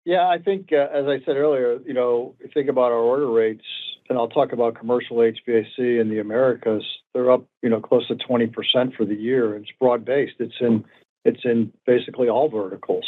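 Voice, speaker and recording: Male executive, mid-pitched, emphatic and assured in earnings call answers, tinny phone-conference sound. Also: steady tone, a little fast. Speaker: company executive answering analysts.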